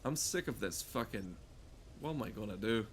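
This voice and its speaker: A man's voice: fairly low pitch, lively intonation, normal speed, a little hiss or hum. A man giving crude, comedic, rambling commentary while playing a game, swearing often. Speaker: gamer talking over gameplay.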